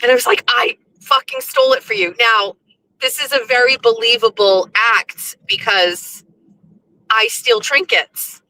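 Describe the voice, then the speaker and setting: Hoarse, bright-voiced woman telling a story. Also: a little high, a little slow, low-quality recording. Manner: laughs through the story, swears casually. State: hoarse from screaming. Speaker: podcast host. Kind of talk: casual storytelling.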